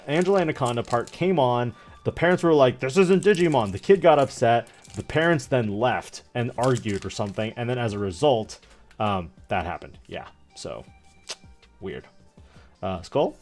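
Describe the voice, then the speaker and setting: A man in his thirties chatting casually on a livestream, rambling and joking in an animated way as he tells stories. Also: medium pitch. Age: 30s. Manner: rambling, animated, jokey storytelling. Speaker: streamer opening trading card packs.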